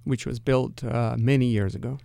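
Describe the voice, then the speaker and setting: A middle-aged man with a Russian accent, answering interview questions as a company executive in a measured, careful, explanatory way. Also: medium pitch, fairly even intonation, gravelly, dark tone, no room sound.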